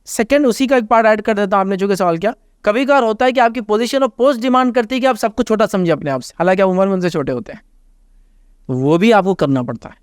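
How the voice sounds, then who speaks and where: A man's voice: sits high, fast, clear, resonant tone, no echo, studio quality. A man with an Indian Hindustani accent, explaining social manners through everyday examples as an Islamic scholar answering a question. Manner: repeats reminders to remember. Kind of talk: conversational religious advice talk.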